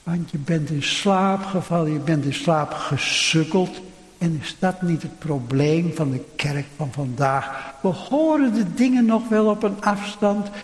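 A man preaches slowly and deliberately, leaning on rhetorical questions to his listeners. His voice sits somewhat high for a man. Every word rings out through a long cathedral echo, as in a large, roomy church. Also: lively intonation. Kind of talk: sermon.

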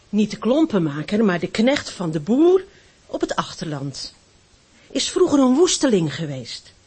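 A woman reads a story aloud at a slow, deliberate pace. Her voice is breathy and soft-edged. Her pitch moves widely with the drama of the story. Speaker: story reader.

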